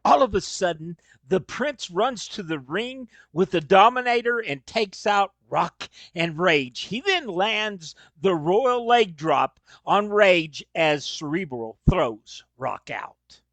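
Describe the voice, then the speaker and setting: A man's voice: sits high, expressive, takes it slowly, hardly any pauses, a bit bright, no room sound. A man reading scripted narration of wrestling scenes for a staged reading. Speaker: reader of stage directions.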